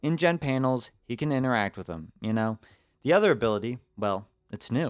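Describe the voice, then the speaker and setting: Speaking at a medium pitch with an American accent, the man's voice sounds dry and close with no echo in a very clean recording over a silent background. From United States. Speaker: video game commentator. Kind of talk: scripted video commentary. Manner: casual, sarcastic.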